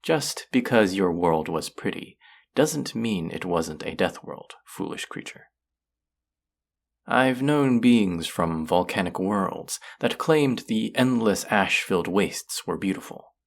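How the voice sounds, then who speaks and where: An actor playing a haughty, mocking, cultured alien buyer in an audio roleplay, speaking to the listener in a deliberate, condescending, theatrical way. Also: deep voice, lively intonation, creaky, heavily acted. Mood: scornful amusement.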